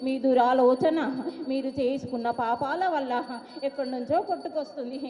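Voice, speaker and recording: A woman's voice: high voice, fairly even intonation, normal speed, mellow. A woman with a Telangana accent declaims oracle prophecy in a trance voice, in short phrases, as a commanding, protective mother goddess. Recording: echoey, reverberant hall sound.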